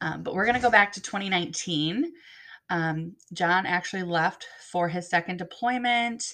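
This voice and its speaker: With an American accent, a woman at a medium pitch speaks at a moderate pace with ordinary pitch variation against a quiet background. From Michigan. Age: 30s. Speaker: podcast host and postpartum doula. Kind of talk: personal testimony. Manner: candid, blunt.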